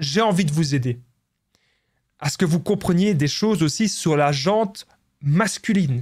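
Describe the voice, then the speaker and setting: A man talks in a high pitch with a Belgian accent. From Belgium. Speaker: relationship coach. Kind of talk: casual monologue to viewers. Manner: relaxed.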